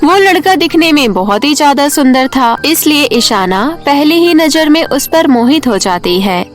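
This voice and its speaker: A woman's voice: sits high, lively intonation, normal speed, soft background music. A woman narrating a scripted children's story in a storytelling style.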